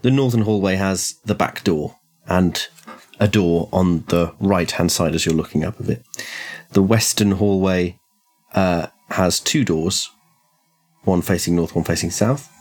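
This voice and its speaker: Man, game master, tabletop game, slightly low pitch, halting, many fillers. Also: a little mellow. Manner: halting, many ums while describing. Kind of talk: describing a scene in a tabletop game.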